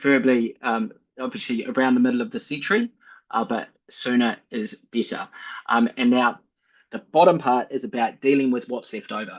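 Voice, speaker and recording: With a New Zealand accent, a man at a medium pitch speaks at a moderate pace and ordinary pitch variation. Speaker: climate communicator. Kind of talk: webinar presentation. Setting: video call webinar. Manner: hesitant, many fillers.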